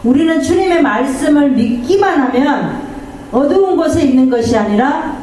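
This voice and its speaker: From far off in the echoey hall of a church sanctuary, a woman pastor with a high, dark-toned voice preaches a sermon at normal speed with lively intonation. She draws amens from the congregation and acts out the voices she quotes, with a little hiss or hum in the recording.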